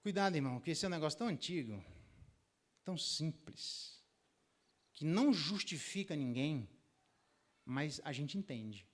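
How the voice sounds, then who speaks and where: A man's voice: on the high side, moderate pace, long pauses. A middle-aged Brazilian man, a pastor, teaching a Bible lesson with anecdotes and acting out the dialogue himself. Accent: Brazilian Portuguese. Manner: lively storyteller, acts out dialogue in raised voices.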